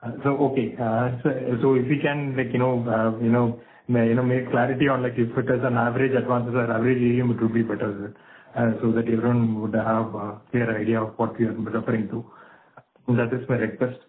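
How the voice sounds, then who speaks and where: A man's voice: medium pitch, little pitch movement, fairly quick. A man, an analyst on an earnings call, asking his questions in a rambling way, full of "like" and "you know". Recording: tinny phone line.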